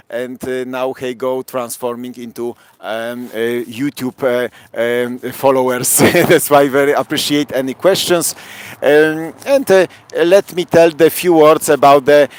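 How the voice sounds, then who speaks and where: A man with a strong Polish accent, a city tour guide chatting through a live-streamed night walk in halting English full of fillers. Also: medium pitch, a little mellow, clean tone, no echo. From Poland. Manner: rambling, many fillers, halting non-native English. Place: outdoors on a city square at night.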